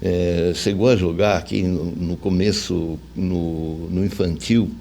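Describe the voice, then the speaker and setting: A man's voice: low voice, fairly even intonation, takes it slowly, gravelly, mellow, a little hiss or hum. An older man with a Brazilian accent, telling anecdotes casually and colloquially as an interview guest. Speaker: interview guest, veteran radio journalist.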